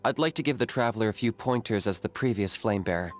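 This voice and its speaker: A man's voice: on the low side, quick pace, soft background music, natural voice. A man voicing a cool, businesslike young tribal warrior in a video game, with a dry, matter-of-fact delivery. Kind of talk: video game character acting.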